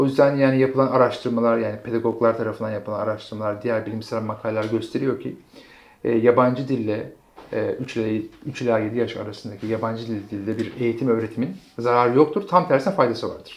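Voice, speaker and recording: A man races along very fast, his intonation staying fairly even. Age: 30s. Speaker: preschool founder and teacher. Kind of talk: interview. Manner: halting, many filler sounds. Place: office.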